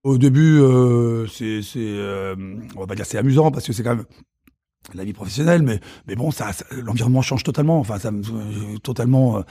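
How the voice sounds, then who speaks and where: In a hesitant, casual recollection riddled with fillers and do-overs, a middle-aged chef from the suburbs of Paris reminisces about his youth for an interview on his career. His voice is mid-range, dark-toned, and slightly rough, carrying a Parisian suburban French accent.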